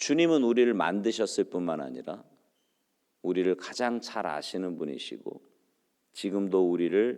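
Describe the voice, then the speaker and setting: A man's intonation stays lively even as he talks at a very slow pace. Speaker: pastor. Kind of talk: sermon.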